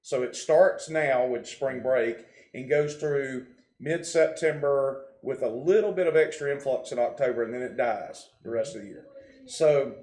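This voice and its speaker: A man's voice: normal speed, a little mellow. A man hosts a loose, joking live show with a mid-range voice. He sounds as if he is talking from inside a barrel, with a hollow, echoey ring around every word. It was recorded live in a pub. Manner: easygoing, joking, plugs local businesses. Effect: boomy sound like inside a barrel. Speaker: show host. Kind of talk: casual live show chat. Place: local pub, live broadcast.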